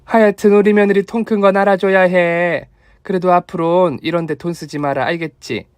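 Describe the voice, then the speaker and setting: A man's voice: high voice, fairly even intonation, moderate pace, smooth, no echo, pitched above the performer's own voice, natural voice. A man voicing a thrifty, kind elderly mother-in-law who fusses and scolds affectionately. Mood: fond.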